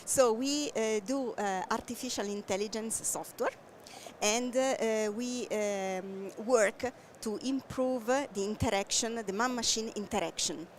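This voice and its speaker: A woman from Italy with an Italian accent, a native Italian speaker, explaining her company's technology in a trade show interview, with many pauses and fillers. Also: fairly high pitch, slight background noise. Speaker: tech company guest. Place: busy trade show floor. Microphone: headset.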